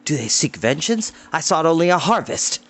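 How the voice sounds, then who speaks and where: A man's voice: medium pitch, moderate pace, lightly acted. A man reading a storybook aloud and voicing a bitter, ruined farmer who pleads and accuses.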